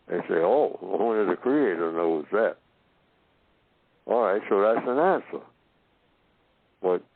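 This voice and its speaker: A man from Oklahoma giving a slow philosophical talk, asking himself questions and answering them, and repeating phrases to build his point. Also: lowish voice, no echo. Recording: tinny phone-line audio.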